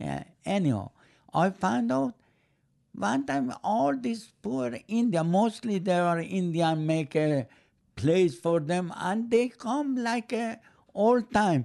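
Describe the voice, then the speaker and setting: With a strong Persian accent, a man speaks very slowly in a high voice of dark, mellow tone, his pitch swinging very widely. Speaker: father of host. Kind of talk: casual chat. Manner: halting.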